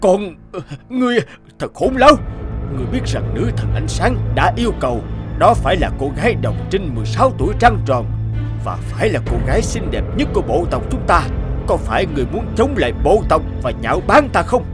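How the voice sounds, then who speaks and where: A stern tribal chief from an animated fairy tale. His voice is rather high and swings dramatically, pompous and scolding. Music plays behind him. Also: fairly quick. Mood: angry threatening. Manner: authoritative, scolding.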